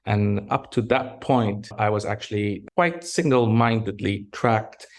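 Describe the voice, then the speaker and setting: Low-voiced, reflective middle-aged man from Egypt. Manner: measured, reflective, with frequent restarts. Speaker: pharmaceutical executive guest. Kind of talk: interview conversation.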